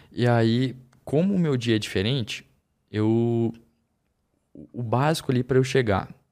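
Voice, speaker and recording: A man's medium-pitched voice with ordinary pitch variation, in a very clean recording with a silent background. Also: long, frequent pauses. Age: 20s. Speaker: triathlete and routine coach. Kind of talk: casual chat.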